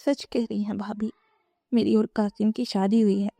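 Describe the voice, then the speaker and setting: A tearful young wife, voiced by a woman narrator in a storybook reading, pleading with raised emotion. Her tone is dark and mellow, set in a dry, close recording. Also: medium pitch, flat delivery, creaky, no echo.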